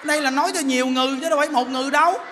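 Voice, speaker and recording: High-voiced monk preaching. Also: male voice, steady tone, rapid-fire, big-room sound, noisy background. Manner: joking, storytelling, laughs often. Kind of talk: humorous dharma talk.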